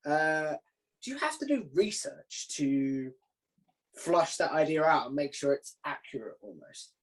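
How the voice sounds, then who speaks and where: A man hosting a relaxed podcast interview, asking questions in an informal, inquisitive way. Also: on the high side, a little slow. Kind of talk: casual conversational interviewing.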